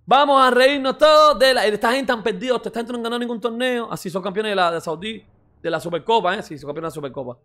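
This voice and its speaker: A man's voice: very high voice, quick pace, pushed and bright. A man giving casual mocking football reaction commentary as a streamer, repeating exclamations, swearing and ranting.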